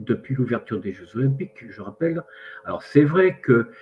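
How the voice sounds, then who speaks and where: A man talks at a fairly slow speed in a somewhat breathy voice. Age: 70s. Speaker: commentary vlogger. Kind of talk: opinion monologue. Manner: halting.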